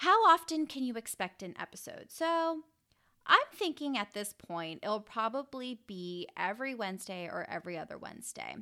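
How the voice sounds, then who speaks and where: Fairly high and bright, sharp in tone, this woman sounds animated. She moves at a moderate pace with very wide pitch swings. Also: big swings in loudness. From central Pennsylvania, US. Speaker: podcast host and mothers' coach. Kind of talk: solo podcast monologue.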